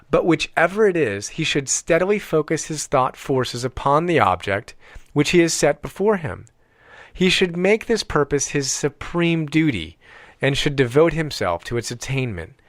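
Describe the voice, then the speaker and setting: Man, audiobook narrator, animated pitch movement, dry close sound, deliberate phrasing. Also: no echo. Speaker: audiobook reader.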